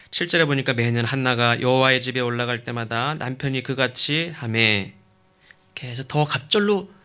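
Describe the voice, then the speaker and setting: Bright-voiced pastor preaching a sermon. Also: male voice, mid-range voice. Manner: emphatic, asks rhetorical questions; checks in with the congregation.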